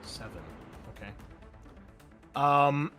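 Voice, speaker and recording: A man's voice: a little high, very slow, a bit bright. A man running a tabletop roleplaying game as game master, talking casually, swearing now and then and thinking aloud. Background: background music.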